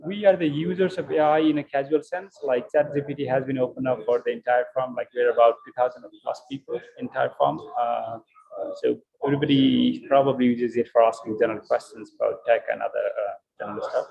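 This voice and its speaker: A man's voice: medium pitch, fairly even intonation, fast talker, gravelly. A man from Nepal with a South Asian accent, chatting casually on a slightly dull, lo-fi recording. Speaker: meetup attendee working at a hedge fund. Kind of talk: casual chat.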